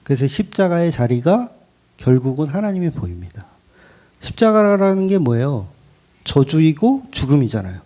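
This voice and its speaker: A man preaching a sermon as pastor, in an animated way with rhetorical questions and emphatic repetition. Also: fairly high pitch, moderate pace. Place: church.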